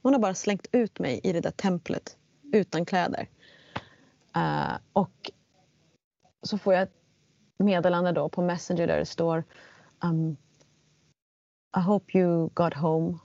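Woman, low gravelly storyteller, animated, dry slightly dull sound. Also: pauses often, dry recording. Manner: animated, acts out quotes in English. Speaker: guest telling a personal story. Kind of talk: casual storytelling in conversation.

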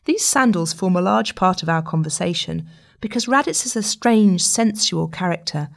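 A woman narrates a long-form piece of journalism. Her voice sits a little lower than most women's. The delivery is scripted, as a writer reading her own feature. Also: expressive, normal speed, vocal fry.

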